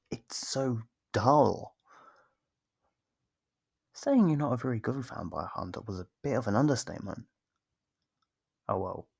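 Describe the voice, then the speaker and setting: A performer voicing a teasing, condescending, possessive vampire in an ASMR roleplay, slow and smug with a husky voice. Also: medium pitch, a little mellow, no room sound, clean studio sound.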